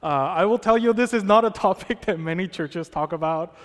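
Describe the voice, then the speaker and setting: Casual preacher from Malaysia, slightly high. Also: male voice, normal speed. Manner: conversational, with many fillers and check-ins. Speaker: pastor. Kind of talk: sermon. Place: church sanctuary. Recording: long hall reverb.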